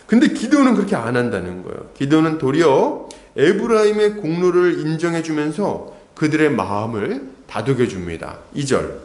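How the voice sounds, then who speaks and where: A man's voice: on the high side, big pitch swings, normal speed, a little mellow, roomy sound. A male pastor preaching an expository sermon, often asking the congregation questions and acting out what people might have said. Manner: asks the congregation questions, acts out quotes. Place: church sanctuary.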